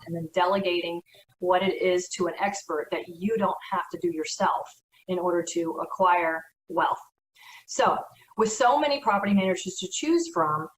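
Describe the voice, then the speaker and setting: A woman's voice: lowish voice, slight background noise. A woman, a real estate broker, giving earnest, conversational advice in an educational talk. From United States. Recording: echoey room, from far off.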